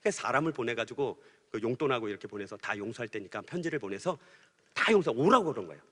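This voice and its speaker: A middle-aged man preaching a sermon through a personal story, swinging from hushed storytelling to loud, animated outbursts. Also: medium pitch, fast. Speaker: pastor. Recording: hall reverb.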